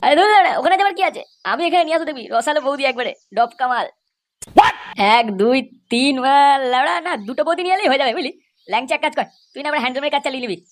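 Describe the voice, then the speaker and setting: A woman's voice: high voice, lively intonation, rapid-fire. A woman voicing a cocky, lecherous, foul-mouthed male youth in a crude comedy cartoon, full of bragging. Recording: faintly noisy cartoon soundtrack.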